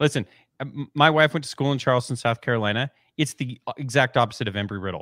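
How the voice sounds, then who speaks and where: A man at a very fast pace with ordinary pitch variation, in a dry sound with no echo and a quiet background. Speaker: podcast host, business aviation pilot; podcast host. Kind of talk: casual chat. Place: home room. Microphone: studio mic.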